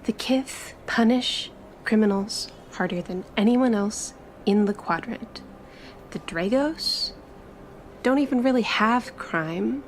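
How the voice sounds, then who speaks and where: A woman's voice: on the high side, slow, slight background noise, low-quality recording. A woman playing an eager, chatty young traveler in a tabletop roleplay, with gushing, informal, stop-start chatter. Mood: chatty, teasing.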